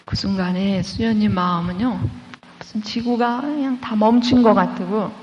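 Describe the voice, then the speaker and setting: Brief: woman, a nun lecturing, lively sermon-style storytelling, dull recording in a reverberant hall. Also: medium pitch, moderate pace, a little hiss or hum. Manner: lively storyteller who acts out quoted voices. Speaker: Catholic nun giving a lecture.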